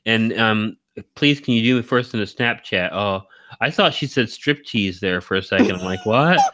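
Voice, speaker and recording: A man hosting a live stream, talking in a rambling, teasing way with a deep baritone voice, very tired. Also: moderate pace, pushed and bright, slight background noise. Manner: rambling, teasing, laughs often. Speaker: stream host. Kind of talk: casual chat.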